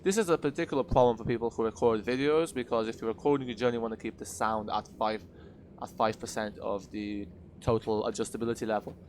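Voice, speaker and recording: Man, mid-pitched voice, unscripted game review commentary, measured and hesitant explaining. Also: steady tone, a little mellow, a little hiss or hum.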